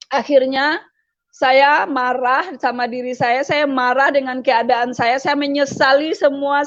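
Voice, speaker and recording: A middle-aged woman giving an emotional personal testimony, repeating herself and pausing with hesitations. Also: high-pitched, a bit bright, dry recording, muffled recording. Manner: emotional, repetitive storytelling with frequent hesitations. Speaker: testimony speaker.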